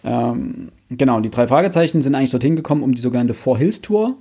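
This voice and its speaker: A man's voice: medium pitch, lively intonation, fast talker, mellow, slightly rough. A man co-hosting a podcast in a casual book discussion, colloquial and blunt, now and then mildly crude. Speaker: podcast co-host.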